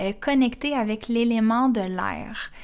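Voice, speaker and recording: In a very clean recording with a silent background, a woman with a Quebec accent speaks at a high pitch with fairly even intonation. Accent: Québécois French. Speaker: podcast host, astrologer. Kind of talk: solo podcast monologue. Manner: frequent hesitations.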